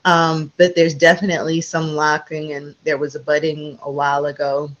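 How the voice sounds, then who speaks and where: A woman guest on a podcast, chatty and relaxed, with many fillers and restarts. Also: low voice, normal speed. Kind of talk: casual interview chat. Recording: slightly dull audio.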